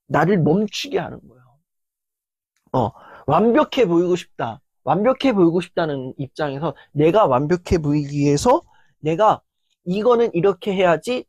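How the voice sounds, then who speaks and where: An earnest motivational lecturer whose voice has gone tired after a long filming session, speaking in a dry, close sound. They talk steadily at a middling pitch and act out inner voices in sudden loud bursts. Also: husky, no echo. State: voice worn down after hours of filming.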